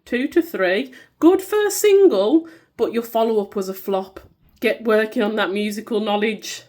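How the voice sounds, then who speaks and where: A woman's voice: a little high, animated, a little slow, darkish tone. A woman with a Black Country accent, bunged up and nasal from a cold, chatting casually and informally as she walks through products she has made. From Black Country, England. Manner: informal, self-deprecating, given to singing bits. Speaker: small-business content creator showing her products.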